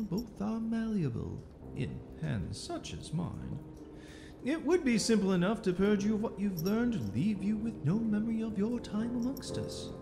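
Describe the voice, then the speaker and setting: An actress playing a cruelly amused, sinister mage inquisitor with a theatrical, drawling, condescending manner in an audio drama. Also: female voice, mid-range voice, vocal fry, background noise. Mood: silky menace. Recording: long echoing reverb, music underneath.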